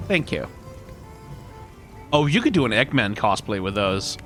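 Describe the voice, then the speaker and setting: A man's voice: fairly low pitch, very animated, measured pace, a bit bright. A man giving casual video game commentary, musing aloud in a wry way. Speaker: gaming video host. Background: faint game music.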